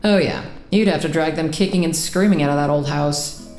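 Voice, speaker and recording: An actress playing a fond old friend in an audio drama, speaking with dry, teasing humor. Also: female voice, low-pitched, brisk, a little mellow, echoey room, faint music behind, lightly acted. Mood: fond, amused.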